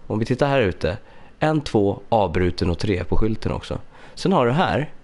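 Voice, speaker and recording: A man live-streams a puzzle game, thinking aloud and chatting casually with viewers. His lowish voice is animated and a little mellow, slightly congested from a cold, and he uses a USB studio microphone.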